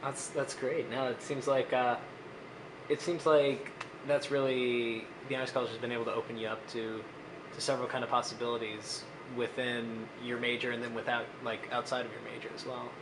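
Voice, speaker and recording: A man's voice: medium pitch, flat delivery, normal speed, background noise. A young man interviewing a student, asking questions in a hesitant way with many fillers.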